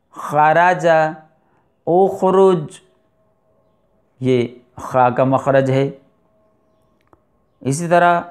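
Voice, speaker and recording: A man's voice: medium pitch, a little mellow. Man teaching Quran pronunciation. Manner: slow deliberate articulation of letters, drawn-out recitation. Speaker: tajweed teacher. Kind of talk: Quran recitation lesson.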